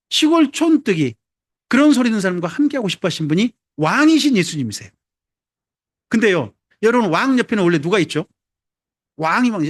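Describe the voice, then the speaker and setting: A man's voice: sits high, no room sound. A man, a pastor preaching a sermon in a conversational, humorous way and putting questions to the congregation. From Jeolla, South Korea.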